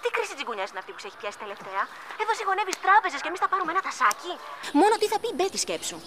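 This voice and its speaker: High, lively gossipy fiancée nagging, sitcom. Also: female voice. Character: chatty demanding fiancée on the phone. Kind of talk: sitcom acting.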